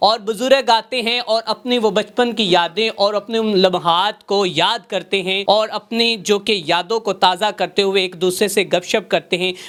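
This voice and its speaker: A man with a high pitch and fairly even intonation speaks with hardly any pauses. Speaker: field news reporter. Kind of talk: field report and street interview.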